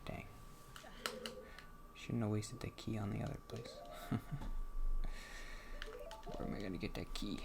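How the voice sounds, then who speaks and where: Quiet, gravelly low-voiced man muttering. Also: fairly even intonation, very noisy. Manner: soft-spoken, halting, muttering to himself while playing. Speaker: gaming channel host. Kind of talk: casual gameplay commentary. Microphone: computer microphone turned up loud.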